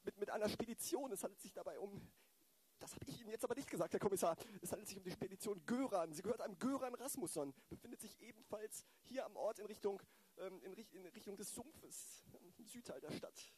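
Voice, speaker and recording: A man's voice: high-pitched, lively intonation, fast, darkish tone. A man playing a fussy, evasive lawyer in an improvised radio play, speaking formally in hesitant, rambling sentences. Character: fussy, evasive male lawyer, mildly self-important.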